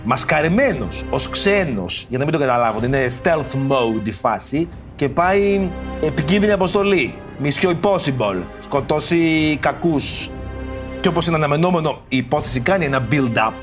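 A man's voice: on the high side, animated, over music. A man hosting a podcast about ancient tragedy, telling the stories in a casual way with slangy, mock-indignant asides. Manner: reads verse quotes in theatrical voices. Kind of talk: casual storytelling lesson.

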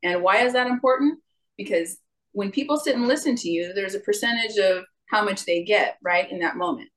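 Animated middle-aged woman, vocal coach as guest, mid-pitched, demonstrative. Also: brisk, rough recording. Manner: animated, jumps into playful higher voices to demonstrate. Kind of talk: conversational interview.

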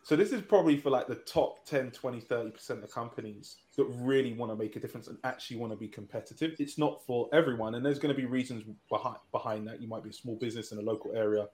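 Male podcast host, measured and reflective, asks himself questions, middle-pitched voice, recorded in a roomy space. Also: darkish tone. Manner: measured, thinks aloud with rhetorical questions. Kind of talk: conversational business talk. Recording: echoey room.

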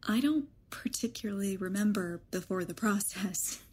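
A woman playing a guarded, reticent young woman in an audio drama, breathy and sparing with words. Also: mid-range voice, expressive, normal speed, darkish tone. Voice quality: breathy, husky. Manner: short, evasive answers.

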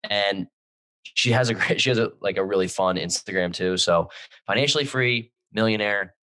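A man with a low voice opens a podcast episode. His tone is enthusiastic and a little rambling. He sounds bright and forceful, recorded close and dry with no room sound. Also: normal speed, no echo, rough recording. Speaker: podcast co-host. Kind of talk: casual podcast intro.

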